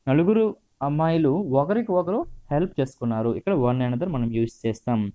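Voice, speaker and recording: A man with a Telugu accent teaching English grammar, reading each example sentence slowly before explaining it. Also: on the high side, very animated, mellow.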